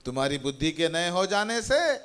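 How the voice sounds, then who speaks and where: A man's voice: fairly high pitch, sing-song, moderate pace, a bit bright, clear, resonant tone. A middle-aged man preaching a sermon as a pastor, repeating phrases and calling out hallelujah to the congregation. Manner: repetitive, exhorting, calls out hallelujah.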